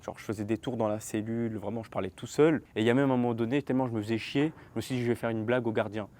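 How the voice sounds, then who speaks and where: A man in his twenties tells a story from his own life in a casual vlog. He talks very fast and keeps turning to address his viewers directly. His pitch sits in the middle range. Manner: animated, talks straight to viewers. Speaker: vlogger.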